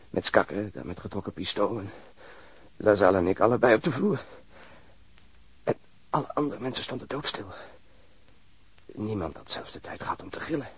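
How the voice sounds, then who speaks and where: An actor playing a wounded policeman in a radio drama, speaking halting in strained, broken phrases with a husky, breathy voice. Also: fairly low pitch, full character voice. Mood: faint, fearful. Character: wounded policeman recounting being stabbed, shaken but admiring.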